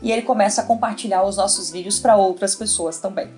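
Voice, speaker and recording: A Brazilian woman teaching an online Portuguese grammar lesson, lively and talking straight to the viewer with questions. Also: mid-range voice, quick pace, soft background music.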